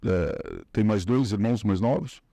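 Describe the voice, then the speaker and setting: A man's voice: on the low side, sing-song, unhurried, vocal fry, warm tone, no echo. A middle-aged man from São Paulo with a Paulistano accent, a guest in a casual interview, rambling through his family story with many fillers and restarts. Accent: Paulistano Brazilian Portuguese. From São Paulo, Brazil.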